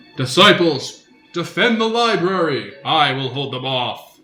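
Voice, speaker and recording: Putting on a booming character voice, a man speaks at a fairly slow pace and a fairly high pitch, with slight echo and faint music in the background. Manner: shouting commands.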